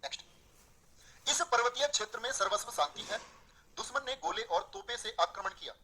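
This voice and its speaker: Guy teaching hindi grammar online, high bright voice, gets fast and animated fixing sentences. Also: a little hiss or hum, rough recording. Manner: animated, fast when excited, addresses students as dear kids. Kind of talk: online class answering student questions.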